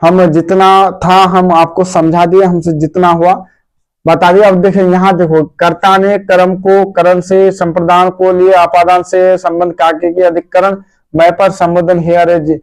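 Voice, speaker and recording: A man a high-pitched voice gives an informal grammar lesson. He speaks in a warm, fatherly and repetitive way, addressing his pupils as his dear children. He asks his own questions and then answers them. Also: level tone, a little slow, clear, resonant tone. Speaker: teacher.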